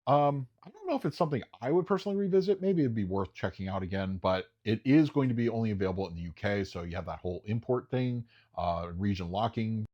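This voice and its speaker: A man casually talking through upcoming disc releases in a chatty, enthusiastic way, often pausing with "uh". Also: fairly low pitch, a little mellow, dull audio. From United States. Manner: chatty, enthusiastic, frequent uh fillers. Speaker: home video reviewer. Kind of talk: casual solo commentary.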